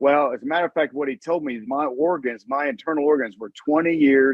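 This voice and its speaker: A man's normal speaking voice, fairly high in pitch, with ordinary pitch variation and a moderate pace. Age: 60s. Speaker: network marketing distributor. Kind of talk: testimony.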